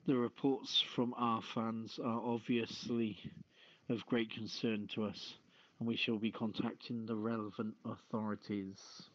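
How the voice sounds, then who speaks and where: Slow-talking man, dry muffled sound. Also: on the low side, level tone, no room sound. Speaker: radio show host. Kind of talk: casual live show chat and news reading. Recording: dull, lo-fi audio.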